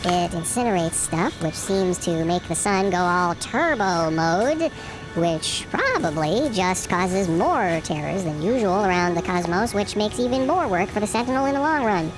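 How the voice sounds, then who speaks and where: A woman's voice: lowish voice, expressive, normal speed, music in the background, natural voice, low-quality recording. A woman playing a practical, wry castaway in an audio drama, explaining things casually. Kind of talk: audio drama character dialogue.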